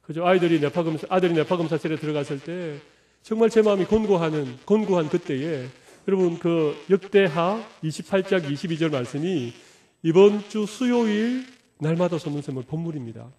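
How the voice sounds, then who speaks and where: A man's voice: on the high side, a little fast, mellow. A middle-aged man preaching a sermon as pastor, conversational and humorous, acting out little quotes of everyday talk.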